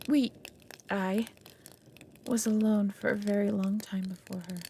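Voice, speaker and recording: Woman as a creaky, low-voiced, brooding she-dragon. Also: dark tone, a little hiss or hum, lightly acted. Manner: solemn, speaks of herself as "we". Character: ancient lonely female dragon, proud, brooding, reluctant foster mother. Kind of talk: dramatic audio roleplay acting.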